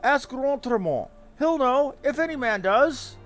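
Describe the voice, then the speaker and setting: A worried airship merchant from a fantasy game, performed by a man, speaking in a high voice. The speech is florid and dramatic, forever fretting and pleading. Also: animated, a little slow, a bit bright, soft background music, exaggerated voice. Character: anxious airship merchant fretting over debts and lost cargo.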